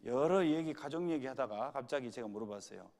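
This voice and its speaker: A man's voice: mid-range voice, animated, a little fast, darkish tone. A male pastor preaching a sermon to his congregation in a church hall, quizzing them with repeated right-or-wrong questions.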